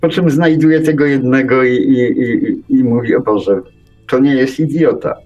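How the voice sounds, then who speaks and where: A man co-hosting a radio show in casual chat, musing and halting as he rambles along. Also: medium pitch, darkish tone, muffled recording, faint music behind.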